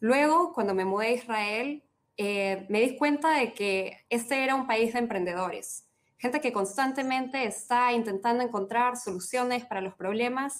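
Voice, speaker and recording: Ordinary pitch variation and a moderate pace from a woman with a high pitch. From Peru, coast. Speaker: partnerships lead at a startup organization. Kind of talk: interview.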